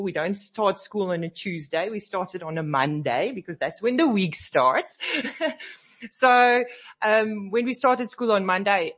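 A woman hosting a radio show, chatting casually and a bit sleepy, her voice slightly scratchy from a cold. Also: mid-range voice. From South Africa. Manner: chatty, sleepy, laughs easily. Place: radio studio.

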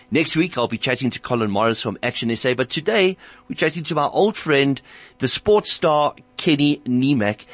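A man hosting a radio talk show, asking measured, structured questions in a studio. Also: medium pitch, fairly bright tone, no room sound.

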